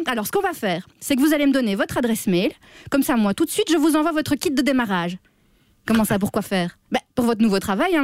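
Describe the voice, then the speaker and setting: A woman playing a chatty job-center clerk who talks to an unheard caller, slightly hoarse and full of fillers. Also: high voice, a little mellow, no room sound, clean studio sound. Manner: gossipy, talks to an unheard caller, constant "hein". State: a little hoarse. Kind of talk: comedy sketch on radio.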